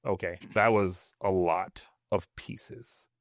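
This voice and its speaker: Male host, lower register, conversational and questioning, recorded dry. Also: fairly even intonation, takes it slowly, no room sound. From Nigeria or Nigerian family. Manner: informal, checks back with questions. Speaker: podcast host moderating. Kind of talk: casual discussion, questioning.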